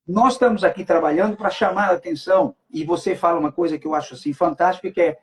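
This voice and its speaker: A man who works as a speaking mentor talks in a casual chat, animated, repeating phrases and joking about mispronunciations. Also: sits high, fast talker, slightly rough. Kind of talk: casual two-person chat.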